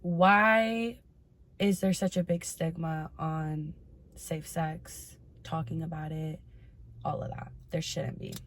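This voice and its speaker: A woman with a low-pitched voice speaks slowly, with little pitch movement, as she hosts a personal advice vlog. Her casual, chatty monologue to followers is candid and informal, and she swears freely.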